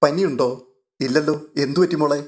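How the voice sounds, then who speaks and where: A man's voice: fairly high pitch, normal speed, a little mellow, close to an everyday voice. A man reading a tender young woman.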